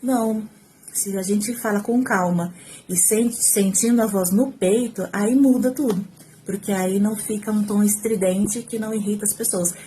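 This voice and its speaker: With a mid-range voice and moderate pace, a woman with a Brazilian Portuguese accent, once a TV reporter, chats animatedly through a casual home tutorial recorded on her phone's front camera. She gestures as she speaks, and slight background noise is present.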